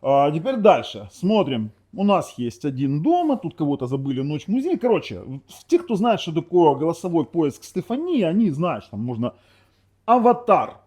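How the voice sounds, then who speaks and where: A man's voice: a little high, very animated, normal speed, dark tone. A man whose first language is Ukrainian, casually demoing a TV box in a rambling way, correcting himself often and dropping sarcastic asides. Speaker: tech reviewer. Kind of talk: casual product demo talk.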